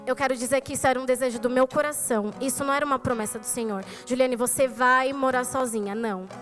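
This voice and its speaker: A woman's voice: high voice, steady tone, fast talker, fairly bright tone, soft background music. A woman with a Brazilian Portuguese accent giving a testimony in a church sermon, telling her story and speaking straight to the congregation. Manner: storytelling, addresses the congregation directly. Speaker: preacher. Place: church service.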